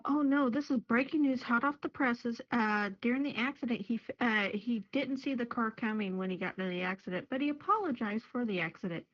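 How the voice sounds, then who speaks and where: A woman's voice: on the high side, brisk, few pauses. A woman contributing news updates in a casual podcast conversation. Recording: dull, lo-fi voice chat.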